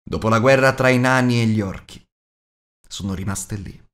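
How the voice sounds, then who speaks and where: Casting: male audiobook narrator, lowish pitch, scripted fantasy storytelling. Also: moderate pace, a bit bright.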